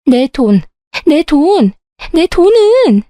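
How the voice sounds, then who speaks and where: A desperate mistress behind prison glass, as a woman narrator puts her on, begging in a shrill, high, frantic voice. Her pitch jumps well above a normal speaking voice and her pleas pour out urgently in this storybook-style drama reading. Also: sing-song, drawn-out words, warm tone, no echo, clean studio sound, heavily acted.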